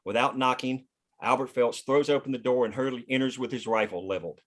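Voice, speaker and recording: A man's voice: mid-range voice, fast talker. A man reading scene headings and stage directions aloud as scripted narration at a table read.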